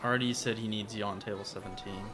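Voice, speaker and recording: A man's voice: on the low side, fairly even intonation, quick pace, over music, lightly acted. A man playing an apologetic, hesitant young diner worker in a casual audio drama. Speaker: podcast drama actor.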